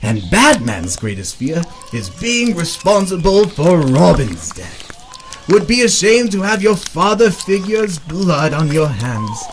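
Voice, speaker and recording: An actor playing a sadistic, gleefully cruel clown supervillain in a superhero radio drama, taunting in a theatrical sing-song way. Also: male voice, a little high, very animated, measured pace, soft background music.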